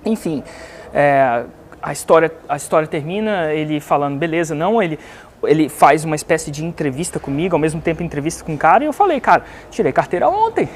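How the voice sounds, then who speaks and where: A man's voice: fairly high pitch, fast, slight background noise. A man from Brazil with a Brazilian Portuguese accent, animatedly telling a story to teach a lesson and acting out the other people's lines. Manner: animated, acts out the other voices in his story. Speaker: online business coach.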